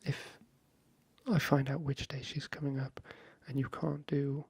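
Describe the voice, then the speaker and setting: Soft breathy man, half-whispering. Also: medium pitch, flat delivery, measured pace, no echo. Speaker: ASMR video creator. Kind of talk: soft-spoken ASMR, friendly chat roleplay.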